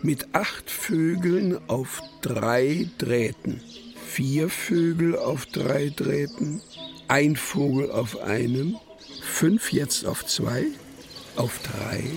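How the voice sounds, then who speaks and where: A man playing a brooding poetic narrator in a literary radio drama, declaiming in deliberate short phrases. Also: a little high, expressive, creaky, soft background music, full character voice. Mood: wry, observing. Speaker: actor reciting poetry.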